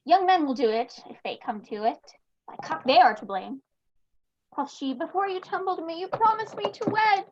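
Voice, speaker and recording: A woman's voice: extremely high pitch, animated, normal speed. A woman playing a grief-mad young noblewoman who drifts between verse, song and speech, in an amateur Shakespeare reading over livestream. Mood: bitter, bawdy. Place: remote livestream from separate location. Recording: dull, noisy livestream call with clicks.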